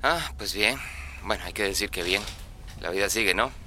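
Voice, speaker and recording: A man's voice: on the low side, moderate pace, bright, forceful tone, slight background noise. An actor playing a weary small-town man in a radio drama, talking in a resigned, matter-of-fact way on the phone.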